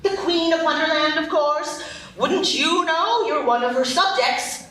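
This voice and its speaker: A woman voicing the fretful, hurried White Rabbit in a live radio play, flustered and worried. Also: high-pitched, recorded from a distance, crowd noise. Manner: flustered, breathless with worry, giggly. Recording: echoey room, mic from afar.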